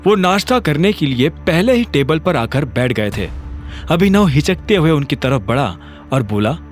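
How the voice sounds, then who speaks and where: A man narrating an audio drama series in an expressive storytelling manner. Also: fairly high pitch, measured pace, soft background music.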